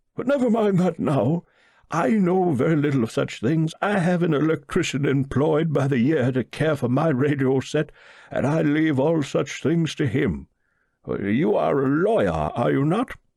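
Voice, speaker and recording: Putting on a character voice, a man drawls at a moderate pace with lively intonation and a fairly high pitch. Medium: read story. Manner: slow drawl; solemn, pompous.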